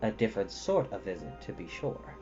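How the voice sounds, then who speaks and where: A man reads a story aloud with an animated, swinging pitch in a middle register. Music plays behind him, and the recording sounds slightly dull. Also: fairly quick. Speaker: storyteller reading a children's novel. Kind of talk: expressive storybook narration. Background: background music.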